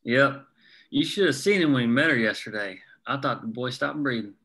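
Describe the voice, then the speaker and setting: Man playing coal miner, union man, bright forceful voice, blunt, folksy, historical drama table read. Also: medium pitch, expressive, normal speed. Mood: matter-of-fact.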